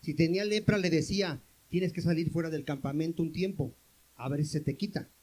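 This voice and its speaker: High-voiced preaching man. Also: brisk, mellow, rough recording. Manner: questions the congregation and answers himself; calls for amens from the congregation. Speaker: pastor. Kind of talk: sermon.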